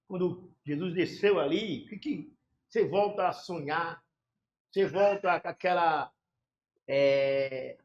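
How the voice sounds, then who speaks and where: A man, a pastor telling his conversion story with fervor, in pauses and restarts. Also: on the high side, dull audio. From São Paulo area, Brazil. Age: 60s. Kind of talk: emotional conversion testimony in a casual chat. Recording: echoey room.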